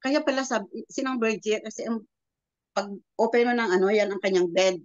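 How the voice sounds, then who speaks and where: A woman's voice: medium pitch, no echo, muffled recording. Older woman telling a rambling testimony. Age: 70s. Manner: rambling, halting storytelling that acts out quoted dialogue. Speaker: prayer group member sharing a testimony. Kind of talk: personal testimony, casual storytelling.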